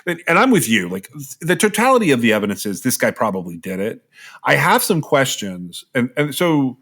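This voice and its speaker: A man's voice: mid-range voice, very animated, a little fast, fairly bright tone. A man co-hosting a true crime podcast, chiming in agreeably and giving hedged opinions in casual conversation. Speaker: podcast co-host.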